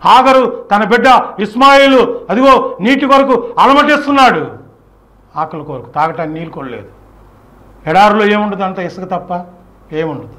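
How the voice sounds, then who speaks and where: High-pitched male preacher, fervent. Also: a bit bright. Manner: exhortatory, emphatic, repetitive rhetorical questions.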